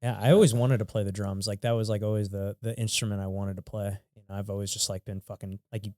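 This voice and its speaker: A man's voice: on the low side, fairly even intonation, a little mellow, no echo, studio quality. A man hosting a podcast, speaking casually with lots of "like" and "you know". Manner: brisk and friendly, filler-heavy with "like" and "you know". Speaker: podcast host. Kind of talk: casual podcast chat and host reads. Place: podcast studio.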